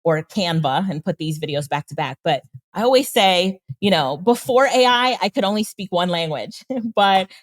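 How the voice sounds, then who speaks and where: A woman's voice: on the low side, expressive, normal speed, dry recording. A woman guest on an interview show, explaining tools with enthusiasm and frequent laughs. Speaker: guest, AI trainer and consultant. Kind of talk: casual interview talk.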